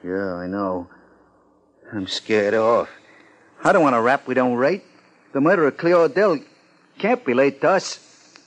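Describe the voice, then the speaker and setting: A man's voice: mid-range voice, expressive, measured pace, pauses often, natural voice. Guy doing a jittery small-time crook from old radio drama, slangy, ordinary mid voice. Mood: uneasy, confessing. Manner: slangy, plain-spoken. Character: nervous male small-time swindler coming clean. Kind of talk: 1950s radio acting.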